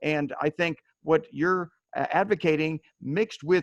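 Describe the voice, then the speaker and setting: A man with an unremarkable speaking voice talks at a fairly high pitch and moderate pace. The sound is dry and close with no echo, over a quiet background. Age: 60s. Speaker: health supplement company co-founder. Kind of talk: video interview discussion.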